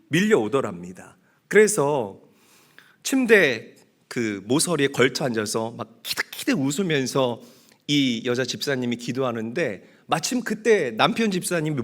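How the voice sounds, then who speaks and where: A man's voice: fairly high pitch, very animated, measured pace. A male pastor preaching a sermon, telling a story and acting out the prayers in it, and calling on the congregation to answer amen.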